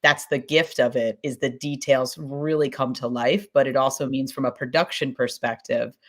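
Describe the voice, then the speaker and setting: A woman's voice: extremely low pitch, steady tone, moderate pace. A woman talking casually as a podcast producer in a discussion, effusive and emphatic, giggly and rambling as she goes.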